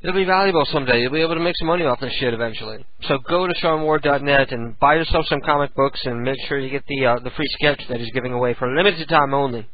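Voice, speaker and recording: Brash fast-talking radio co-host man. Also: mid-range voice, a little hiss or hum. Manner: brash, profane. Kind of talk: casual radio chat. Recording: tinny phone-like radio audio.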